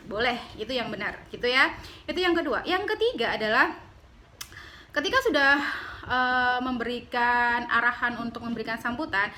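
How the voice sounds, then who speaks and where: A woman gives a casual speaking lesson in a bright, fairly high voice. She talks in a chatty, corrective way and adds teasing asides. Faint noise sits under the recording. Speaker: public speaking teacher. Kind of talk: casual instructional talk.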